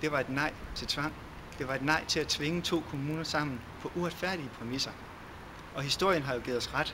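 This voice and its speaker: A man's fairly high pitch and fairly even intonation, with long, frequent pauses and noticeable background noise. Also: moderate pace. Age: 40s. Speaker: local election candidate. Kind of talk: campaign address. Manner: hesitant with filler sounds.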